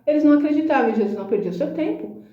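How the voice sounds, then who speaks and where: A woman preaches in a conversational sermon, earnest and emphatic, with frequent rhetorical questions. Her voice sits a little high but sounds mellow and soft-edged. The recording is roomy and slightly dull. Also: animated, racing. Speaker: Christian speaker.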